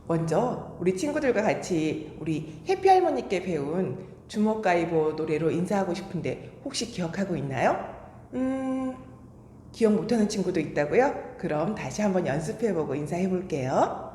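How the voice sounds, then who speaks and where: Female children's storyteller, unhurried delivery, expressive swings in pitch, soft dark tone, roomy reverb with faint noise. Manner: addresses young children with questions and simple explanations. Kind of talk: children's storytelling and sing-along greeting. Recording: echoey reverberant room, faint background noise.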